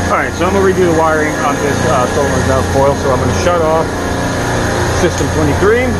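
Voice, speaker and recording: The sound is dry with no echo, while loud background noise fills the recording. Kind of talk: tutorial. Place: factory. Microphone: phone near.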